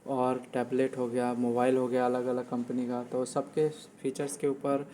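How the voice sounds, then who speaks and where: A man's voice: mid-range voice, completely flat delivery, measured pace, dark tone, slight background noise. A man explaining settings step by step in a casual tutorial style, often repeating himself as host.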